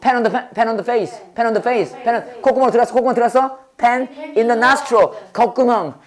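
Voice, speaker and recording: A hoarse English teacher who runs a brisk call-and-response drill, repeating each prompt and having the class echo it back. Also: medium pitch.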